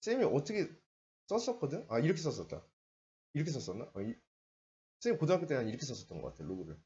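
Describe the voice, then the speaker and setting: A man's voice: medium pitch, sing-song, fast, warm tone. A young adult man teaching a math lesson at a board, chatting casually and mixing polite and casual speech. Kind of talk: casual blackboard lecture. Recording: dull lo-fi lecture recording.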